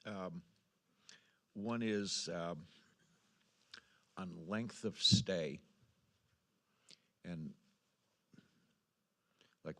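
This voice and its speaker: Male council member with a deep voice, posing questions in a public meeting. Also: fairly bright tone.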